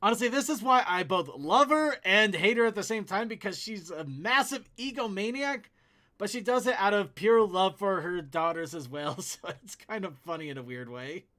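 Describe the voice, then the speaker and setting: A man hosting casual fan commentary, speaking in a halting, stop-start way. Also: high-pitched, animated, sharp tone. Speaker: host.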